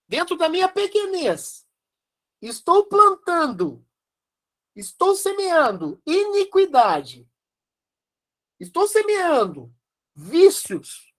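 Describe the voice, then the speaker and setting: A woman's voice: very high-pitched, fairly bright tone. A woman with a Brazilian Portuguese accent giving a devotional study commentary, emphatic, repeating key phrases and asking rhetorical questions. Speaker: Spiritist study presenter.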